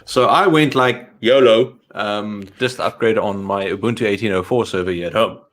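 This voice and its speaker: A man's voice: fairly low pitch, moderate pace, a bit bright. A man co-hosting a casual tech stream, telling anecdotes in a rambling way and often interrupting himself. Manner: rambling, self-interrupting storytelling. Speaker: live stream co-host.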